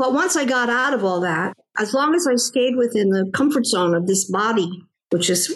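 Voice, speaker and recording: A woman's normal speaking voice with an American accent, lively intonation and a moderate pace. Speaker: voice teacher. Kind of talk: interview conversation.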